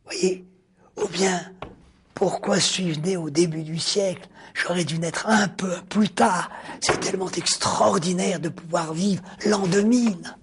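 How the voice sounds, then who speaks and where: A man giving a spoken philosophy lecture, drawn out and rhetorical, repeating key words and dropping suddenly into a hushed near-whisper. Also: high-pitched, fairly even intonation, slight background noise. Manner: deliberate, drawn-out phrasing with sudden hushed drops.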